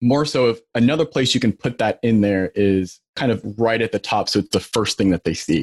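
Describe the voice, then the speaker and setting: On a very clean recording with a silent background and a dry, close sound with no echo, a man with an American accent speaks at a medium pitch and moderate pace, with ordinary pitch variation, very even loudness and hardly any pauses. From Ohio. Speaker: career coach. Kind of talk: casual interview. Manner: conversational, halting with broken sentences.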